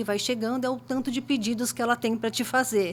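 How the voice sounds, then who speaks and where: Here is a woman with an ordinary speaking voice. Her pitch is fairly high and her pace moderate. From São Paulo state, Brazil (São Bernardo). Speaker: mother speaking about ADHD. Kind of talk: podcast interview.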